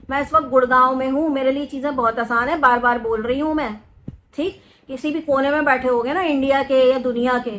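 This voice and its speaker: High-voiced woman ranting to camera. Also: a bit bright. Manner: scolding, threatening, insistent; repeats phrases for emphasis. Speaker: vlogger. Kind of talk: direct-to-camera rant.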